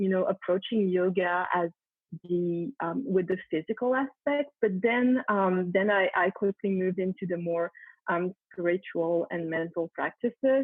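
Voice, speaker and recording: In a French accent, a woman speaks at a fairly slow pace with a medium pitch and ordinary pitch variation. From France. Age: 50s. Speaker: Ayurvedic health counselor and yoga teacher. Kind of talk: podcast interview. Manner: halting, many fillers.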